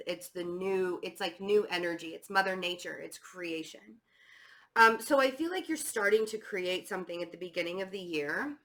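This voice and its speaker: Hoarse, stuffy-voiced woman tarot reader. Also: mid-range voice, pushed and bright. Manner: chatty, many fillers and restarts. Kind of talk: casual tarot reading.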